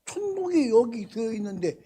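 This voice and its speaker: An older man preaching a sermon in a church at a Friday service. He talks emphatically, shifting from loud exclamations to hushed asides and firing rhetorical questions at the congregation. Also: very high-pitched, sing-song, moderate pace, breathy edge. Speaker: senior pastor.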